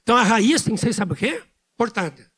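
A man preaching a sermon as pastor, speaking loudly with pauses and emphatic repetition. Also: sits high, lively intonation, slightly rough. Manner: speaks loudly by his own account.

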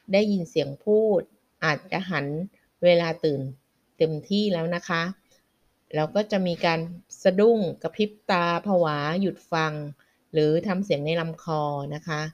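A woman giving a slide lecture on children's language development, speaking politely with frequent soft sentence-ending particles and an occasional filler. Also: lowish voice.

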